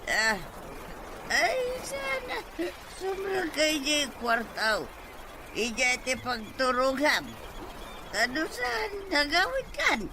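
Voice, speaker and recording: Fussy elderly grandmother, played by an actor, wildly swinging high pitch, dragging pace, noisy recording. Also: very animated, heavily acted. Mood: scolding. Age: older. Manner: halting, many hums and interjections. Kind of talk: Ilocano audio drama acting.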